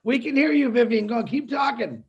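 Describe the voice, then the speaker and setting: A man's voice: extremely high pitch, expressive, brisk, lo-fi sound. A man hosting an online video call, calling on speakers and encouraging them. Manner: warm, encouraging, calls on speakers. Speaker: host. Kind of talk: moderating an online panel.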